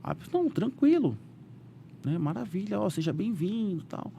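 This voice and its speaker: A man's voice: fairly quick, vocal fry, a little hiss or hum. A businessman with a Brazilian Portuguese accent, a guest telling his story animatedly in a casual interview and acting out quotes. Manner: animated, voices quotes with raised pitch, frequent "né?" fillers.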